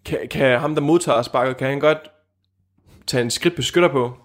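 A man of middling pitch plays the curious listener in a casual chat. He keeps probing with follow-up questions, often stumbling and starting over mid-sentence. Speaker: co-host asking questions.

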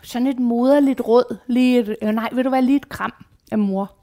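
Woman, 40s, slightly high voice, frank and animated storyteller in casual conversation. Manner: animated, candid, swears casually, acts out quoted voices. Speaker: guest. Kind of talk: casual chat, personal storytelling.

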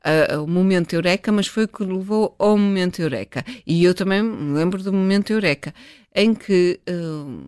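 A middle-aged woman from Portugal, a scientist telling a story in a relaxed, lively interview. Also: lowish voice, normal speed, smooth, no room sound, clean studio sound. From northern Portugal. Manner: lively, chatty, with frequent restarts and laughs. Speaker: scientist guest.

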